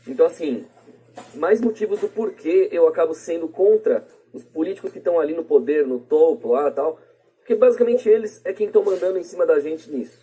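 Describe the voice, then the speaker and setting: A man's voice: on the high side, animated, a little fast, warm tone, slightly rough, low-quality recording. A Brazilian man giving his opinions casually as a podcast guest, in a colloquial, rambling way with frequent tag questions. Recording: plain podcast voice recording.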